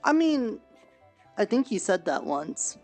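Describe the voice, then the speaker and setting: A woman's voice: mid-range voice, very animated, slow, a little mellow, faint music behind. A woman streamer roleplaying in character, motherly and practical as she hands out food and advice.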